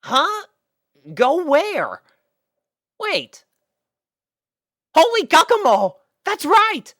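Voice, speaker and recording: A woman voicing a young male dragon in a storybook reading, eager and bashful, with a hesitant, excitable manner. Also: very high voice, very slow, no echo, clean studio sound, pitched above the performer's own voice, exaggerated voice. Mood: startled panic.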